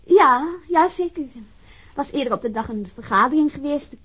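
Radio crime drama: call girl passing as secretary, high-pitched, sharp-tongued and defiant. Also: lively intonation, normal speed. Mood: guarded, polite. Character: defiant foul-mouthed call girl posing as a prim secretary.

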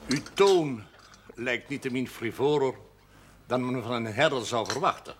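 An actor playing a stern, erudite elderly Catholic priest in a television drama, speaking in a measured, formal way with French phrases. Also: male voice, medium pitch, a little hiss or hum, lightly acted. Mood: dry, reserved. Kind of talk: 1970s television drama acting.

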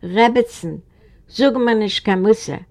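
A woman voicing a defiant, spiteful young woman in a storybook reading, with a gravelly voice. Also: medium pitch, slow pace, a little mellow, pitched above the performer's own voice. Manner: defiant, venomous.

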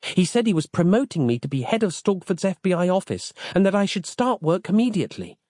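A man voicing a calm, capable female FBI agent who reports events briskly and matter-of-factly. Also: sits high, dry recording, clean studio sound, voice pushed up.

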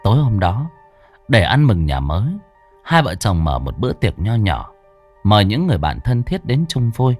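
A man's voice: lowish voice, very animated, moderate pace, soft background music. A man narrating a ghost story in a dramatic, suspenseful way.

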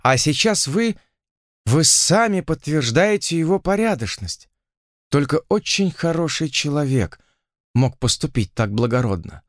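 A man's voice: sits high, very animated, a little slow, dry recording, studio quality, voice pushed up, heavily acted. A man voicing a young plantation owner's daughter, speaking in a theatrical, pleading and melodramatic way. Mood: lamenting.

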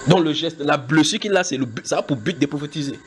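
A man with a slightly high voice preaches a sermon in a church. He retells scripture as if it were a film, with lively, joking storytelling. Faint crickets are heard behind him. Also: fast, a little hiss or hum.

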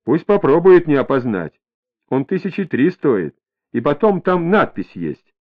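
A man's voice: fairly high pitch, sing-song, narrow, tinny audio. A man reading an audiobook, voicing a brash, suspicious young woman who talks sharply and defiantly. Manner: sharp, defiant, quick to snap.

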